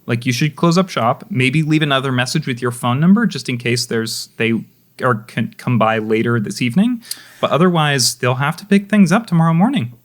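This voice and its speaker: A man's voice: mid-range voice, lively intonation, a little fast. A young man narrating as game master, casual, with restarts and lots of questions to the players. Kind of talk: narrating a tabletop role-play game.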